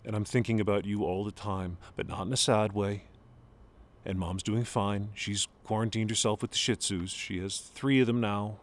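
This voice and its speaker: A man playing a grieving adult son talking to his father in an intimate, halting monologue whose voice sometimes breaks high. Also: fairly even intonation, natural voice. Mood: tender. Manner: halting, restarts, voice breaking into high strained pitch.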